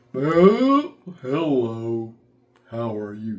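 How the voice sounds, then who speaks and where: This is a put-on character voice. It sits at a low pitch. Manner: slow, slurred.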